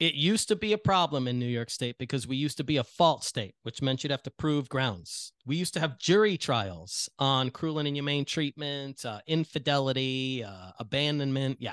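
Over a quiet background, a man with an unremarkable speaking voice speaks at a fairly high pitch with lively intonation and hardly any pauses, in a dry, close sound with no echo. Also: moderate pace. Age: 50s. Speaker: divorce attorney. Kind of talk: casual chat.

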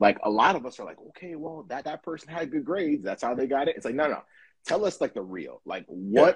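A man's fairly high voice with vocal fry, very wide pitch swings, big swings in loudness and a very fast pace. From East Africa. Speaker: podcast host and pre-PT admissions coach. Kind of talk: casual interview. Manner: animated.

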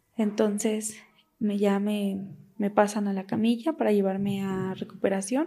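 A woman's dark, mellow, somewhat breathy voice carries fairly even intonation. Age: 20s. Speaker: former surrogate mother. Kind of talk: testimony.

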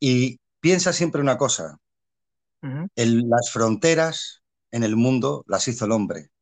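A man with an unremarkable speaking voice talks at a fairly slow pace and medium pitch with lively intonation against a quiet background. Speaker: actor. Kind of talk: casual chat.

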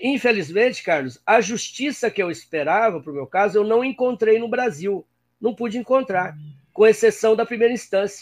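With lively intonation and big swings in loudness, a man speaks at a high pitch and a moderate pace. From Brazil, Mato Grosso do Sul. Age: 50s. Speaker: investigative journalist. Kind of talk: interview.

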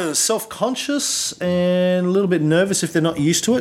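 Here a man talks with an Australian accent. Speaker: podcast host and documentary filmmaker. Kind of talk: casual chat. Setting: hotel room. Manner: casual, halting.

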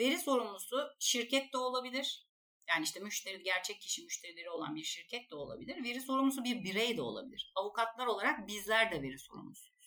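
The tone is bright and sharp, with very wide pitch swings. It races at a very fast pace with hardly any pauses. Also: woman, fairly high pitch for a woman. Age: 40s. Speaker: lawyer. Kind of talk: podcast interview. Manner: lively.

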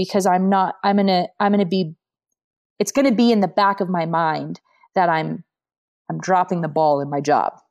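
A woman in a plain, everyday voice, with ordinary pitch variation and a quiet background. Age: 30s. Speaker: retired pro skier. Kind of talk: interview.

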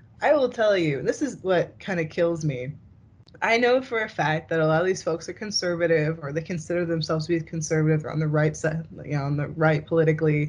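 A woman's fairly low, somewhat breathy voice with an American accent, at a fairly quick pace against a quiet background. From rural New Jersey. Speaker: labor reporter. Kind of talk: interview.

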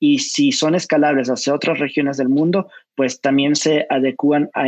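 At a moderate pace, with ordinary pitch variation and a dry, close sound with no echo, it is a plain, everyday voice. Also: man. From Ecuador. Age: 30s. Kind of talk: interview.

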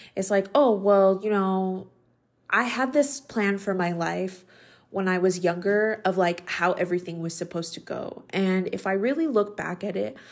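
Using a plain, everyday voice, a woman speaks at medium pitch and a fairly slow pace. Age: 30s. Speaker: spiritual podcast host. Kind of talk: casual solo monologue. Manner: casual, filler-heavy.

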